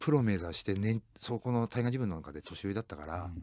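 The recording is very clean, with a silent background and a dry, close sound with no echo. A man speaks in a fairly low pitch. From Japan, Miyagi. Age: 50s. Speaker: former martial artist, referee and coach. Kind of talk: interview. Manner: fast.

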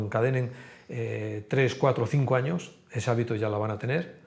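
Intonation stays fairly even as this man keeps a moderate tempo. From León province, Spain. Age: 50s. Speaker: retired marathon runner; athletics coach guest. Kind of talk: interview. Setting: tv studio. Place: studio. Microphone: lapel.

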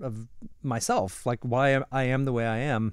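The recording of this man has a dry sound with no echo and a quiet background. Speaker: teacher reading aloud. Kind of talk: casual book introduction. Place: home room. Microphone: studio mic.

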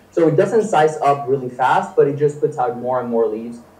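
Audible room echo around a man's fairly high-pitched voice. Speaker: plant hobbyist. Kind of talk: video walkthrough. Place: home room. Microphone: lapel.

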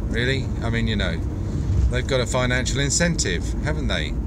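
A man talks at a fairly quick pace. Loud background noise surrounds his dry, echo-free sound. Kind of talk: casual vlog chat. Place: car. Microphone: phone near.

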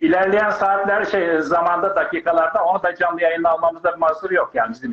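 A man speaks at a high pitch and a fairly quick pace, with ordinary pitch variation. Room echo is audible against a quiet background. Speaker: online group host. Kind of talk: interview chat. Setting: live stream. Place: home room. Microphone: video call.

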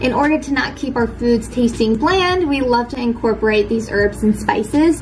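With music in the background, a woman speaks at a moderate pace with a high pitch. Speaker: lifestyle vlogger. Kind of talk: casual product tutorial. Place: kitchen. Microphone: phone near.

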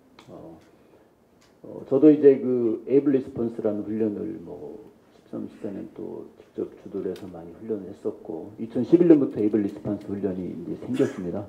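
A man with a fairly low pitch speaks at a moderate pace, using lively intonation and big swings in loudness. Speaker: army general, military medical chief. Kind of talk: panel discussion. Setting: stage with audience. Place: hall. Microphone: handheld.

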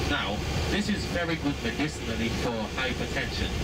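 Loud background noise runs under a man's speech. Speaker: bus driver or tour guide. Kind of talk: casual tour commentary. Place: bus.

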